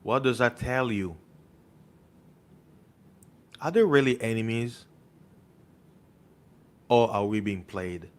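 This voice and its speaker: This online preacher's impassioned monologue comes in a mid-range voice, slow and with frequent pauses. He presses his case insistently, asks rhetorical questions and repeats words for emphasis.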